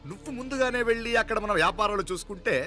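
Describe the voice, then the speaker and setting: An actor playing a blustering, scolding older head of a household in a comedy film scene. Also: male voice, high-pitched, fast, pushed and bright, soft background music. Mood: scheming. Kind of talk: dramatic film acting.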